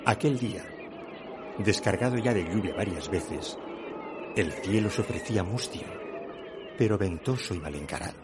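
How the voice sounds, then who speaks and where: A man's voice: sits low, lively intonation, normal speed, pauses often. A man narrating a radio play in a scripted, dramatic storytelling style. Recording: loud ambient noise behind.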